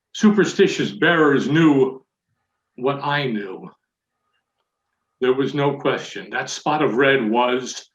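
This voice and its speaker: A man telling a mock-serious tall tale as a theatrical storytelling speech, with dramatic pauses and deliberate phrasing. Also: mid-range voice. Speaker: Toastmasters contest speaker telling a tall tale. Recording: echoey room, dull muffled audio.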